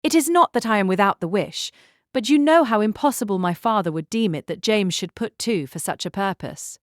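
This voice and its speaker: A woman's voice: mid-range voice, animated, brisk, no room sound, studio quality, close to an everyday voice. A woman voicing a genteel young lady, polite and carefully probing, in a period audiobook drama. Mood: concerned.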